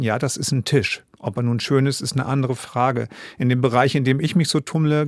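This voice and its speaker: A man's voice: medium pitch, no echo, clean studio sound. A man in his fifties, a radio drama director and author, answering interview questions in a thoughtful, self-doubting way with many fillers and restarts. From Germany. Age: 50s.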